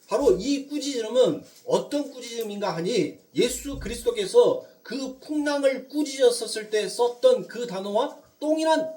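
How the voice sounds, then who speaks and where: A man's voice: very high-pitched, a little mellow, far from the mic. A male pastor preaching a sermon, putting questions to the congregation and answering them himself with rising emphasis. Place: church sanctuary.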